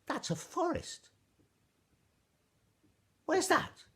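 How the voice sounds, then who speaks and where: A storyteller voicing an excited young boy who is eager and curious, talking high and fast with wonder. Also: full character voice.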